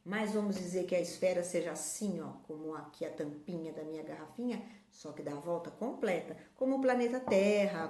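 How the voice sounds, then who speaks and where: A woman's voice: mid-range voice, dark tone. A woman teaching a children's math lesson, patiently explaining shapes while pointing at objects. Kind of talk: classroom video lesson. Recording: echoey room.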